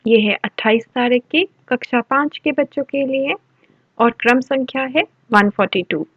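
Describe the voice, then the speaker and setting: A woman teacher slowly walking children through a worksheet, explaining patiently word by word. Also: high voice, no echo. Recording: dull lo-fi voice-over.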